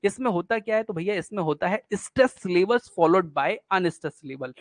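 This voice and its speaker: High-voiced teacher explaining poetic meter. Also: male voice, lively intonation, dry recording. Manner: explains step by step, asks and answers his own questions; reads poetry lines slowly, syllable by syllable. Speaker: English literature teacher. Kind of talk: exam-prep lesson on poetic meter.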